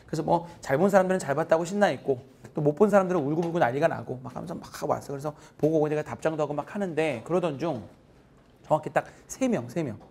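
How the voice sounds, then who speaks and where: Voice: medium pitch, fast talker, a little mellow, husky. A math teacher talking casually and directly to exam students, rambling with many fillers and acting out panicked students in quoted lines. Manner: acts out students' panicked messages in quoted voices. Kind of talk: casual encouraging talk to students.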